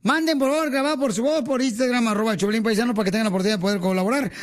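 A Mexican man with a Mexican Spanish accent, hosting a comedic radio show and bantering excitably with his audience. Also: extremely high pitch, racing. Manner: excitable, calls the audience "paisanos".

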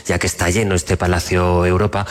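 A man hosting a live radio show in front of an audience, a brisk and friendly interviewer. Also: low voice, little pitch movement. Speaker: radio host.

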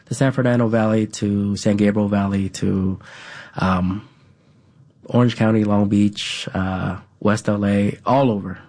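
A man who grew up speaking Vietnamese at home, talking as an interview guest in a halting way, with many fillers and an added "right?". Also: lowish voice, steady tone, mellow. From United States. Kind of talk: casual conversational interview.

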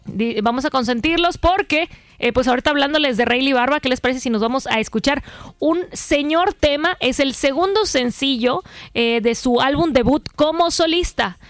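A woman's voice: sits high, normal speed, dry recording, studio quality. A woman radio host from Yucatán, Mexico, with a mostly neutral Mexican Spanish accent and a slight Yucatecan touch, chatting casually on air with many fillers. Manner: chatty, filler-heavy, playful.

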